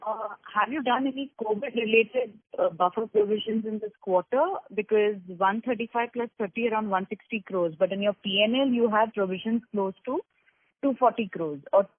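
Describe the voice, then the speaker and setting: A woman's voice: mid-range voice, moderate pace, husky, dry recording. Woman analyst over a phone line. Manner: probing, detailed, numbers-focused. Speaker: analyst asking questions. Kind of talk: earnings call questioning.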